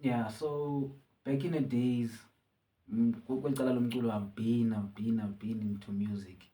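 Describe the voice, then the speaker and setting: South African male musician guest, easygoing, hesitant restarts, mid-pitched. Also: rough recording. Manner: relaxed, halting with many restarts. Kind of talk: casual interview, code-switching.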